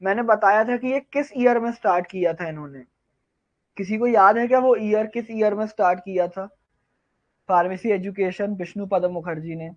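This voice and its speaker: A male tutor giving a live online revision lecture, firing off quiz questions and answering them himself, slowing down to dictate key terms. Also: high-pitched, dull audio. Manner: quizzes viewers, then answers his own questions. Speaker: pharmacognosy tutor.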